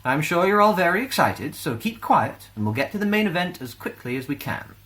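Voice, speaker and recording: Man playing a high, brisk strict schoolmistress. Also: sing-song, fairly bright tone. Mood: brisk, firm. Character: brisk, strict female schoolteacher addressing her class.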